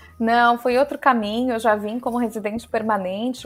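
A woman with a Brazilian accent talks at a fairly quick pace, her pitch fairly high. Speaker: international recruitment director. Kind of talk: podcast interview. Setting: remote call from Canada.

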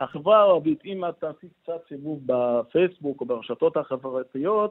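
This man's voice has a fairly high pitch and ordinary pitch variation. He speaks at a fairly slow pace. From Umm al-Fahm, Israel. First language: Arabic (speaking Hebrew). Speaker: strategic consultant. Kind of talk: radio interview.

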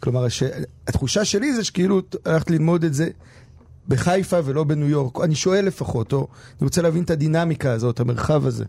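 Fairly quick, very evenly loud speech from a man with a dark, mellow tone, fairly high pitch and ordinary pitch variation. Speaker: radio host. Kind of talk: casual chat. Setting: studio.

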